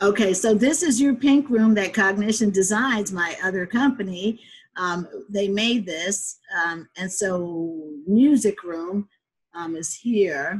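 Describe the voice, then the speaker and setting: Against a quiet background, a woman speaks very slowly in a somewhat breathy voice with ordinary pitch variation. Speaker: magazine host. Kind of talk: casual friendly chat. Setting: video call. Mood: warm, enthusiastic. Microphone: video call.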